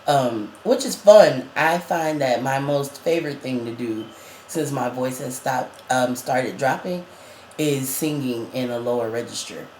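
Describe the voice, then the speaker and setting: A man's voice: medium pitch, a little slow, a little mellow, reverberant, slight background noise. Chatty trans man with a cracking voice. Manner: chatty, laughs often, many fillers. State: voice cracking, going up and down. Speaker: vlogger. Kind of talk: casual chat.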